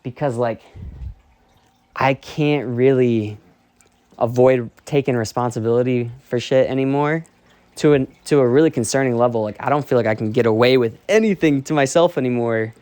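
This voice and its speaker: A young man, a streamer, candidly rambling and ranting while he walks around a dark basement talking into his phone, swearing freely and filling with "like". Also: medium pitch, normal speed, no room sound. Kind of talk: casual rambling monologue. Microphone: phone held while walking.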